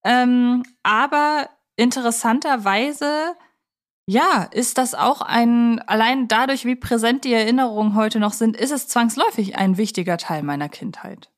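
A woman's voice: a little high, unhurried. Chatty woman hosting a podcast. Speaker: podcast host; film journalist. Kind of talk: conversational podcast talk.

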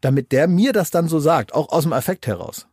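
A man with a somewhat high voice, chatting as a podcast co-host and spinning long anecdotes padded with fillers. The sound is dry and close, with almost no room around it. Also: expressive, brisk, darkish tone, husky, no room sound. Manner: rambling anecdotes with many fillers. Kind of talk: casual banter.

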